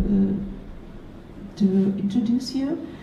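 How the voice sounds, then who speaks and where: Music plays in the background while a woman of medium pitch speaks with audible room echo. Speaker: literary center director. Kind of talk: public talk at literary event. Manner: halting.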